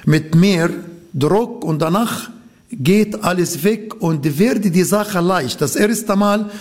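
Guy preaching, earnest, says things twice, kinda high voice. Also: slow pace. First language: Arabic. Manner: earnest, repeats key phrases, non-native grammar. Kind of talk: sermon.

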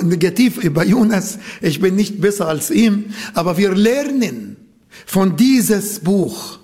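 Male preacher, Arabic accent, high voice, unhurried, halting delivery with self-corrections. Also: darkish tone. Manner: halting, searches for words and corrects himself. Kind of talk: sermon.

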